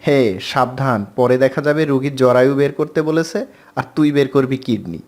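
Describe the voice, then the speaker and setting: A cheeky, mocking older brother in a storybook reading, bickering and lording it over his younger sister, as a man puts him on. His voice sits at a middle pitch. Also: moderate pace, a little mellow, natural voice. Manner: mocking, bantering.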